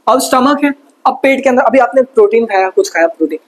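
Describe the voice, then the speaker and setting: A man teaching a fast exam revision lesson, casual and chatty, asking quick questions and answering them himself. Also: very high voice, lively intonation, rough recording. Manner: quizzes himself with quick call-and-response questions. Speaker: science tutor.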